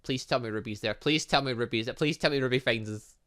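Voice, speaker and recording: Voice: mid-range voice, fast talker, a bit bright, natural voice. A gaming host voicing a prim, anxious upper-class teenage girl while reading visual novel game dialogue. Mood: anxious, muttering.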